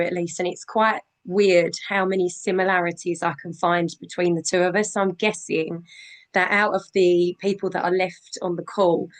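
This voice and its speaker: Woman guest, husky with a cold, eager, talkative, video call. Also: on the low side. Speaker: guest sharing her story.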